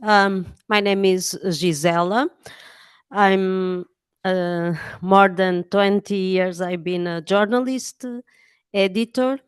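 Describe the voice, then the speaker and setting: A Portuguese-accented woman speaking English as a second language, a journalist giving a halting conference talk full of fillers. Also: medium pitch, steady tone, clear, resonant tone, no room sound, clean studio sound. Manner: hesitant, many pauses and fillers. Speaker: journalist and editor.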